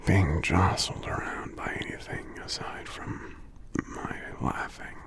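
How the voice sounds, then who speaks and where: A man voicing a gentle, congested giant lover in an intimate ASMR roleplay, murmuring softly and tenderly with small hums between phrases. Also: slow pace, natural voice. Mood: wry, drowsy. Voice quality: congested, stuffy, breathy half-whisper. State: congested from a cold. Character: gentle sick male giant, tender romantic partner.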